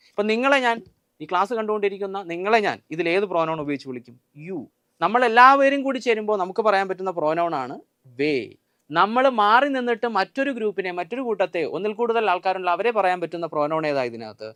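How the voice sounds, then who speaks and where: Malayali guy teaching grammar, high voice, dry close sound, keeps repeating lists and asking the class. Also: a bit bright, clear, resonant tone, dry recording. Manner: repetitive, drills lists aloud and quizzes viewers. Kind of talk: exam-prep grammar lesson. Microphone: filmed by a camera operator.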